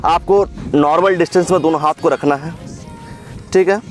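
A man's voice: a little high, normal speed, faint music behind. A young man coaching a bodyweight chest workout, giving short commands while counting reps, recorded outdoors in an open field. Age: young adult. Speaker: fitness coach. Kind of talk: workout instruction.

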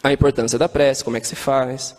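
A man's voice: medium pitch, little pitch movement, brisk. A man with a Brazilian accent giving a spiritist talk, telling stories and asking the audience rhetorical questions. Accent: Brazilian Portuguese. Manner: storytelling, acts out quoted voices, rhetorical questions. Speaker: spiritist lecturer. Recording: long hall reverb.

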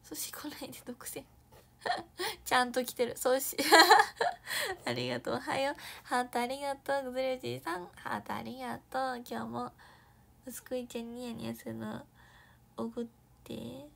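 A young woman chatting casually on a morning live stream, reading viewer comments, thanking viewers in a bubbly way and sometimes dropping to a soft whisper. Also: a little high, fairly even intonation, fairly quick, vocal fry.

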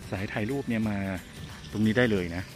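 A man's voice: on the low side, steady tone, fairly quick, faint music behind. A man vlogging casually while walking outdoors, chatty and exclaiming as he talks to his viewers. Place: outdoors on a street and in a garden cafe.

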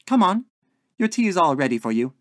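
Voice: medium pitch, very animated, a little fast, dry recording, studio quality, voice pushed up, lightly acted. A narrator voicing a dainty, scatterbrained older landlady in a story, with sweet endearments and a coaxing, genteel manner. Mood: sweetly coaxing. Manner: sing-song, sighing, motherly endearments.

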